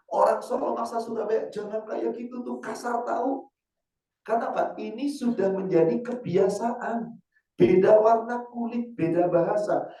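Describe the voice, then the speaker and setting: A man, an Islamic teacher, giving a casual sermon to a women's study group, quizzing the audience with rhetorical questions and reciting verses slowly. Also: high-pitched, dark tone. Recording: roomy hall, mic far off.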